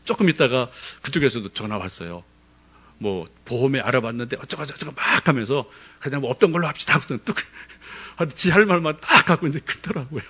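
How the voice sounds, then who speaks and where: A middle-aged man preaches a sermon, his pitch rising and falling in a lively way as he tells stories and asks the congregation questions. The recording sounds dull and lo-fi. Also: husky. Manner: storytelling, addresses congregation directly with questions. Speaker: pastor.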